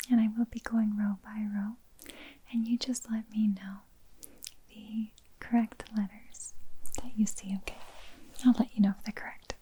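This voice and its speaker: A woman performing an ASMR medical roleplay as a doctor, speaking in a soft, breathy whisper with a gentle, reassuring, unhurried manner. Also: a little high, a little hiss or hum, rough recording.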